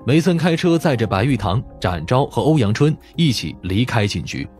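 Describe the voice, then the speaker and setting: A man narrates an audiobook in a mid-pitched voice with animated, lively phrasing. His delivery is scripted storytelling, with faint music underneath. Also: normal speed. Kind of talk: scripted narration of a mystery novel.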